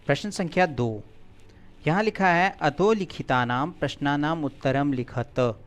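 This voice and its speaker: A man's voice: fairly high pitch, fairly bright tone, smooth. A male teacher in a video lesson, carefully pronouncing Sanskrit words and explaining the answers in plain everyday speech. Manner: slow, deliberate pronunciation drill, then plain explanation.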